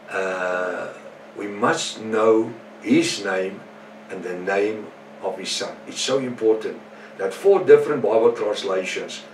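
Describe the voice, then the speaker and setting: A man's voice: fairly low pitch, darkish tone. A man giving a bible teaching talk who reads verses aloud, spells words out letter by letter and repeats himself earnestly. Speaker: preacher and teacher. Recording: roomy sound from a distant mic with faint background noise.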